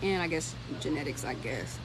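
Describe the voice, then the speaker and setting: A woman's voice: low-pitched, expressive, normal speed, background noise. A thirty-year-old woman hosting a casual livestream, talking informally and thinking aloud as she answers comments. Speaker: livestream host and tech career content creator.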